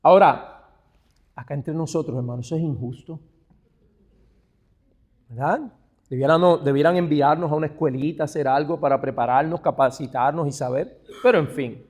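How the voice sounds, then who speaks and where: A man from Puerto Rico with a Puerto Rican Spanish accent, a pastor teaching other pastors. He calls his listeners brother, asks them rhetorical questions, and moves from hushed asides to emphatic, stressed phrases. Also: fairly high pitch, normal speed, long pauses. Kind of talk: church teaching talk.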